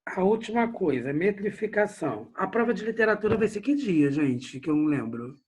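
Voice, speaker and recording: A man's voice: sits high, sing-song, a little fast, a little mellow, breathy edge. A Brazilian man teaching a literature class online, chatty and addressing his students directly. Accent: Brazilian Portuguese.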